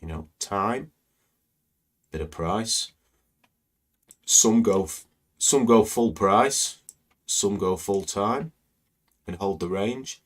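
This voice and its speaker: A man hosts a live stream, commenting on stock screens in a rambling, conversational way full of fillers. His voice is croaky and a little hoarse today. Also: lowish voice, slow, long pauses. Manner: conversational, rambling, many "you know" fillers. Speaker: trading educator hosting live stream.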